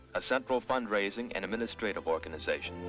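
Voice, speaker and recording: Clear music plays in the background as a man talks at a fairly quick pace, his sound dry with no echo. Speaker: first-person film narrator. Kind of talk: documentary narration. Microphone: old recording.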